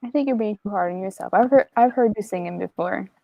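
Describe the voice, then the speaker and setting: A woman's voice: medium pitch, quick pace, creaky, no room sound, highs cut off. A woman in her thirties co-hosting a casual livestream chat, teasing and reading out viewer names. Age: 30s. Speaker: co-host.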